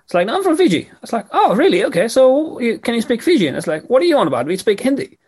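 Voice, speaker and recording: A man's voice: extremely high pitch, very animated, fast, a little mellow, husky. A man hosting a community radio interview, friendly and rambling with many fillers. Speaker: radio host.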